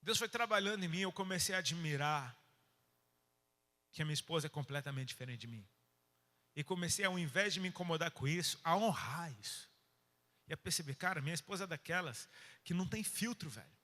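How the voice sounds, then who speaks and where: A Brazilian man preaching a sermon with a Brazilian Portuguese accent, telling stories in casual slang and swinging from loud to hushed. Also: a little high, animated, a little fast. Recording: reverberant hall.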